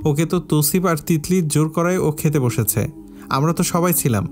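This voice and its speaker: A woman's voice: sits low, moderate pace, a little mellow, soft background music, voice pushed up, natural voice. A man voicing a young woman who stands up for her sister in a pleading, protective way, in an audio storybook.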